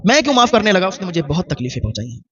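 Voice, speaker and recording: A man voicing a bitter husband who refuses to forgive, speaking lower and gruffly, recorded muffled from afar. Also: very animated, very fast, a bit bright, far from the mic, full character voice. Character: bitter wronged grown husband.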